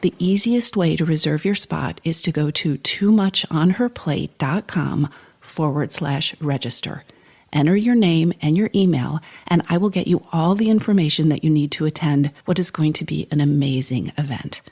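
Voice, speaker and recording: Slightly hoarse woman podcast host. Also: deep voice, moderate pace, a little mellow, no room sound. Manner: encouraging, coaching tone. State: slightly hoarse from a sore throat. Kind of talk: solo podcast talk.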